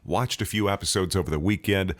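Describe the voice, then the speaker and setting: Low, dry-voiced folksy podcast host. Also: male voice, fairly quick, no room sound. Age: 50s. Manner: folksy, loose and friendly, with many fillers. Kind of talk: casual interview chat. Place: home in South Texas.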